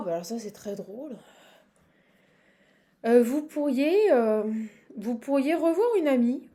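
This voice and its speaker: A tarot card reader who hosts her own channel speaks in a high-pitched, dark-toned voice with a Parisian French accent. She gives viewers a casual, improvised card reading, chatty and exclamatory, often repeating herself and breaking off mid-thought.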